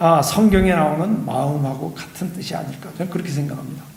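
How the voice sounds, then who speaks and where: A man's speech comes through noticeable background noise with audible room echo. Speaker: pastor. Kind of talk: sermon. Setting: church camp meeting. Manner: frequent 'ah' fillers.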